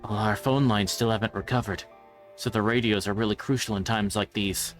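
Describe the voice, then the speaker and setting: Reading a visual novel's script aloud during a livestream, this man speaks fairly quickly in a fairly low, fairly even voice. He stumbles over the odd word, and music runs in the background.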